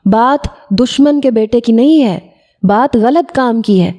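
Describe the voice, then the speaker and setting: A strict father in an audio story scolds his family, as a woman reader puts him on. The voice is dark and mellow. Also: a little high, lightly acted. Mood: stern.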